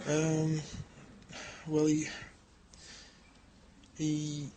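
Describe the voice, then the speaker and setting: An actor playing an earnest young English anthropologist turned Sasquatch investigator in a radio drama, speaking politely with an English accent. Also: male voice, on the high side, monotone, drawn-out words, dark tone, slight background noise. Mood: earnest, hesitant. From England. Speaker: Bigfoot researcher and investigator.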